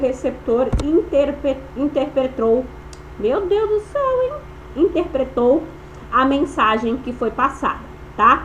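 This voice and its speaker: With audible room echo and noticeable background noise, a woman speaks at a very slow pace and a high pitch with lively intonation. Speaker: university lecturer. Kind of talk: recorded online lecture. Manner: hesitant with fillers.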